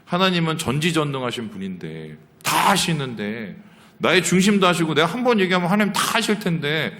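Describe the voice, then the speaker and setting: A man's voice: a little high, brisk. A man preaching a sermon as pastor of his church, asking the congregation questions and acting out the lines of people in the story. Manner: lively, asks the congregation questions and acts out quotes. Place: church sanctuary. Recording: hall reverb from the church. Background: congregation reading aloud together.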